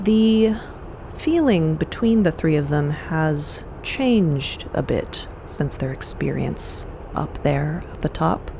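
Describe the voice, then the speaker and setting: A woman's voice: lowish voice, dark tone, a little hiss or hum. A woman delivering scripted dramatic narration as the narrator of an audio story.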